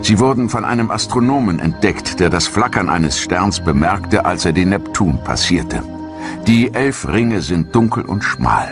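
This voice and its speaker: Deep-voiced man narrating a documentary. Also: animated, unhurried. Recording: studio narration over loud music.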